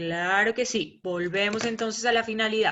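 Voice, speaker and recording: A woman with a plain, everyday voice, fairly high-pitched, at a fairly slow pace with ordinary pitch variation. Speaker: law professor. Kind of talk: lecture.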